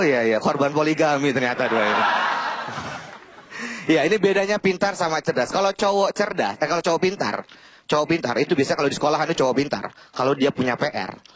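A man's voice: on the high side, a little hiss or hum. A man doing a stand-up comedy set, teasing the audience in slangy talk. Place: stage before a live studio audience.

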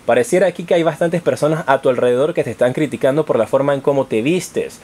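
A man's voice: medium pitch, fast talker, a little mellow. A man hosting an informal tarot horoscope, addressing viewers directly in an affectionate, encouraging manner. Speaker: tarot reader and channel host.

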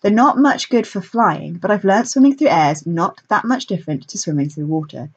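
A woman voicing a calm, serious young male water fairy in a storybook reading. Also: mid-range voice, normal speed, slightly rough, dull audio. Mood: thoughtful.

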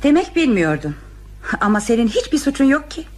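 A woman's voice: high voice, sing-song, fairly quick, darkish tone. Motherly nurse, old radio drama. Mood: explaining. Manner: firm and affectionate, fond of teasing. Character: teasing, motherly hospital nurse, adult woman.

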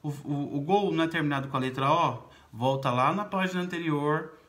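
A man's voice: fairly high pitch, fairly bright tone. A man with a Brazilian Portuguese accent teaching an online English lesson, explaining step by step and checking in with his students. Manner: explains slowly in Portuguese, reading English words and sentences aloud; frequent check-ins to students.

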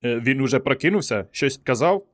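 A man voicing an earnest, excitable young doctor who speaks with fervent conviction. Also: medium pitch, a little fast, natural voice. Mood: eager. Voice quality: fervent, emphatic.

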